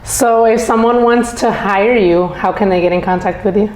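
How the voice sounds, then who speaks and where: A woman's voice: medium pitch, normal speed, a little mellow. A woman from the Dominican Republic hosting a casual interview podcast, encouraging her guest and backchanneling often. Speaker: podcast host. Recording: echoey room.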